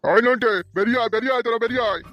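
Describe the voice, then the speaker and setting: Angry village man in a funny cartoon, super fast talker, scolding, faint music behind. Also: very high-pitched, highs cut off. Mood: furious. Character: irate village man, blustering and threatening. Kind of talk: Bengali comedy cartoon dubbing.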